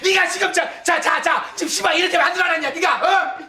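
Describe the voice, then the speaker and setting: A man playing a hot-tempered, thuggish father in sketch comedy, stammering and yelling as he defends his son. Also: very high-pitched, fairly even intonation, fairly quick, reverberant, full character voice. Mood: blustering. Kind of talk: broadcast sketch comedy acting.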